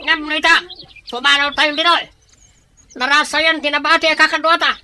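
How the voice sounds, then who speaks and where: Man acting bright, forceful tribal warrior. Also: very high-pitched, flat delivery, normal speed, full character voice. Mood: urgent shouting. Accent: Filipino. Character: loyal young male tribal warrior, eager fighter. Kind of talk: Filipino audio drama acting. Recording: voice over background music.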